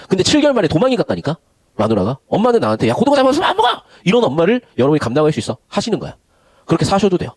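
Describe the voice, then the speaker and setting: A man gives a Korean literature lesson at a very fast clip. His pitch swings widely and sits a little high. He slides between polite and casual speech. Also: darkish tone. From Gyeongsang region of Korea. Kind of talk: online lecture.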